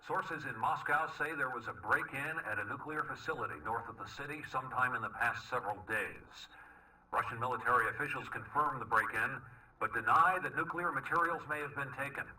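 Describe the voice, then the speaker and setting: An actor playing a male news anchor reading a formal broadcast in a measured newsreader manner. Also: medium pitch, pushed and bright, distant mic, poor audio. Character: male television news anchor in a spy game.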